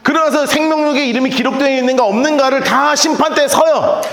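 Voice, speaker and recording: A man's voice: very high-pitched, quick pace. A man preaching a Bible-study sermon who keeps questioning his congregation and joking with them. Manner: asks the congregation frequent call-and-response questions; animated and joking. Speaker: pastor. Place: church sanctuary. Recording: echoey church hall reverb.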